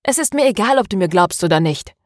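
A woman's voice: mid-range voice, expressive, moderate pace, no echo, pitched above the performer's own voice, close to an everyday voice. A woman reading the lines of a tense, defensive young woman in an audiobook, answering in clipped, irritated replies.

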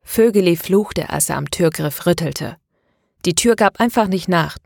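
A woman narrating a novel in a steady, measured reading. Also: lowish voice, creaky, no echo, studio quality. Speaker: audiobook narrator. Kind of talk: scripted narration.

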